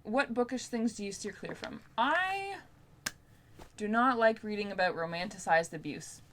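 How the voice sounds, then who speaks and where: A woman's voice: mid-range voice, lively intonation, moderate pace, a bit bright, slight background noise. A young woman chatting casually to camera as a book vlogger, in an informal, rambling, playfully self-deprecating way. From Canada.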